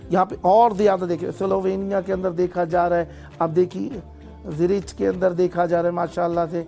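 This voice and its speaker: This TV call-in host has a high, creaky voice with a dark tone. He thanks callers with blessings and explains things on air, occasionally stumbling over foreign place names.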